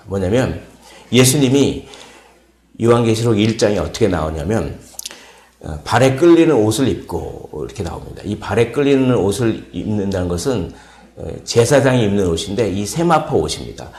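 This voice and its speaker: A man's voice: fairly low pitch, sing-song, moderate pace, darkish tone. Male pastor, early morning sermon, repeats key words, roomy echo. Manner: explanatory, repeats key words, many fillers. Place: church sanctuary.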